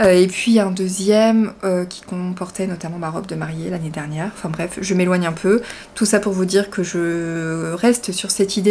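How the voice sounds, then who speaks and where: Noticeable background noise runs under a woman's medium-pitched voice as she speaks with hardly any pauses. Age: 40s. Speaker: sewing podcaster and pattern designer. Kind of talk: casual vlog monologue. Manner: hesitant, many fillers.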